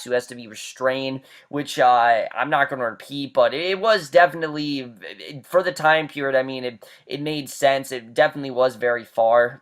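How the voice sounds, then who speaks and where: A man's voice: mid-range voice, fairly bright tone. Chatty man recapping a TV episode. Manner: chatty, with frequent fillers and restarts. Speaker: TV reviewer. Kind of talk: casual episode recap and review.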